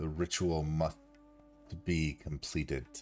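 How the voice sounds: A man does a put-on character voice at a very deep, low pitch, monotone and flat, at a fairly slow pace. Hissing and clear music sit in the background.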